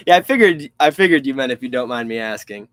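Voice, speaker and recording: A man's voice: mid-range voice, lively intonation, a little fast, fairly bright tone, no echo. Chatty young man on a live stream. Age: 20s. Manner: chatty and rambling, reads chat questions aloud, frustrated asides. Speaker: online reseller hosting a live stream. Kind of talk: casual live-stream chat.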